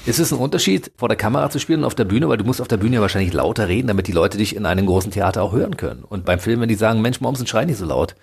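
A male interviewer asking casual questions with quick, joking remarks. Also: fairly low pitch, creaky, slightly rough.

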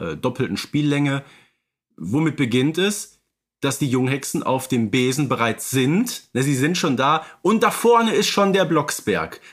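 A man co-hosting a podcast, talking in a relaxed, reflective way with many fillers and restarts. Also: on the high side. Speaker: podcast co-host. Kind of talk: casual chat.

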